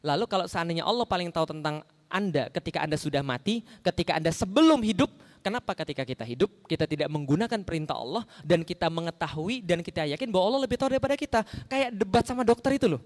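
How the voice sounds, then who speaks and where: A man's voice: animated, quick pace. A man preaching an Islamic sermon in a conversational way, asking the audience rhetorical questions and acting out the lines he quotes. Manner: acts out quoted lines with sharp rises in pitch and volume. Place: large hall. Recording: long hall reverb.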